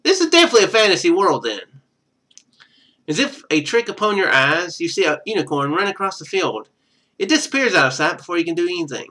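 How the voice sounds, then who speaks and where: This fast-talking streamer has a bright, rather high male voice. He voices the game's narration with lots of pitch movement, then shifts to relaxed commentary peppered with dry, sarcastic remarks.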